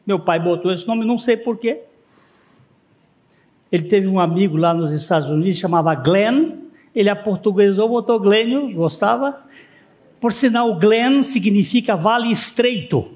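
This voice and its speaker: A pastor from Northeast Brazil preaches in a church sanctuary, blending rhetorical questions with anecdotes told in dry humor. His voice is high-pitched and a little mellow.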